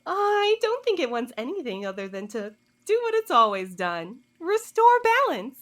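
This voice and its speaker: Audio drama role: sly, condescending woman played by an actress, high-voiced and very animated, toying with her questioners. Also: moderate pace. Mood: cool, philosophical. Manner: teasing, condescending, theatrical drawl. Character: sly, smug woman informant, coolly taunting her interrogators.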